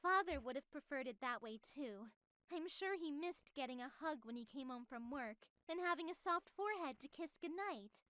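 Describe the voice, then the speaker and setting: A woman's voice: sits high, animated, moderate pace, pushed and bright, no room sound, clean studio sound. A woman playing a perky, boastful young female artificial intelligence with an anime girl avatar in a visual novel game, speaking in a chirpy, theatrical way. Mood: proud, wistful. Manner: theatrical, chirpy, self-satisfied.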